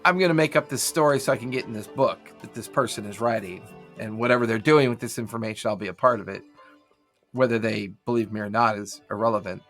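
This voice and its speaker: A man's voice: fairly low pitch, quick pace, fairly bright tone, faint music behind. A man running a tabletop game as game master, narrating loosely with fillers over an online call.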